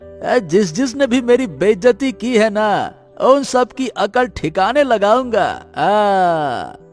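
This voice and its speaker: A man's voice: high voice, big pitch swings, slow, soft background music, full character voice. A man voicing a boastful, greedy village man in a cartoon story. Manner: boastful, then stammering. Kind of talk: Hindi cartoon voice acting.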